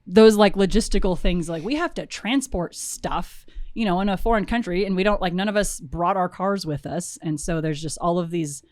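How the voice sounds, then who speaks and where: Brief: young woman, producer guest, lowish voice, dry close sound, rambling animated storyteller. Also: moderate pace, no echo. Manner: animated, laughing, many fillers and restarts. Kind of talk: casual storytelling interview.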